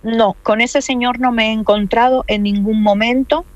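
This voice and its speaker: A woman's voice: on the high side, fairly even intonation, moderate pace, no echo, lo-fi sound. A woman in an interview telling her own story, earnest and insistent, repeating key points. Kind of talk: emotional personal account.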